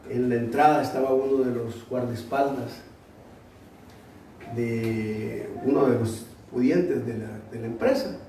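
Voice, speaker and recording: A man's voice: unhurried, warm tone, a little hiss or hum. A man from El Salvador, preaching a sermon as pastor and telling stories with quoted dialogue. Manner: storytelling preacher, acts out quoted dialogue, rises in pitch when exhorting. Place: church. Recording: echoey church hall, heard from a distance.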